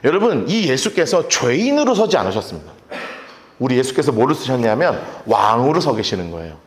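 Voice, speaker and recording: A male pastor teaching a Bible-study sermon in a church, lively, asking his listeners questions and acting out scenes. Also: medium pitch, fairly quick, roomy sound, a little hiss or hum. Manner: animated, asks the audience questions and acts out scenes.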